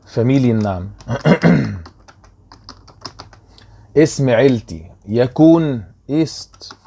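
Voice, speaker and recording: A man's voice: lowish voice, gravelly, warm tone, slight background noise. A young man with an Egyptian Arabic accent, explaining a worksheet as a German teacher in a chatty way and often checking that students follow.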